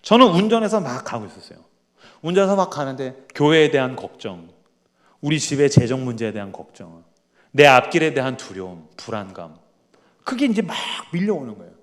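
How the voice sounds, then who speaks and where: A man, a pastor, preaching at an evening church prayer meeting, telling a family story in a lively, animated way and acting out the people in it. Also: medium pitch, brisk, in a large hall. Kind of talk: sermon storytelling.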